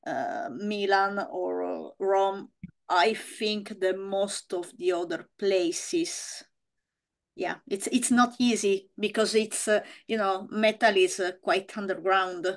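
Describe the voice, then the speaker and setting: A woman's voice: mid-range voice, slow pace. An Italian woman in her thirties hosting an interview by video call from a small room at home, chatty and full of fillers in English. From Italy. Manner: chatty, hesitant with many fillers; animated hand gestures. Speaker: interview host. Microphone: video call webcam.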